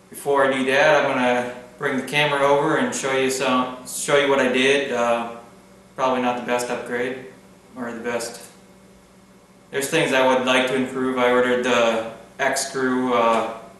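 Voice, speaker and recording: There is audible room echo around the voice. A man talks at a moderate pace in a flat monotone. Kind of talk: casual vlog chat. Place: workshop. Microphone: camera far.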